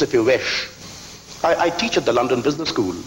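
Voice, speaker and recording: Noticeable background noise runs under the recording. A man speaks with an Indian accent. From India, Calcutta. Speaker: business school professor. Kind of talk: lecture. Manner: repetitive stammering restarts.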